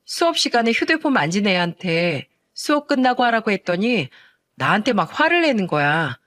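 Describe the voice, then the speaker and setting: A woman's voice: mid-range voice, big pitch swings, moderate pace, a bit bright, dry recording. A narrator voicing a weary young female teacher who complains to her mother about her students and their parents, heard dry and close. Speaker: elementary school teacher.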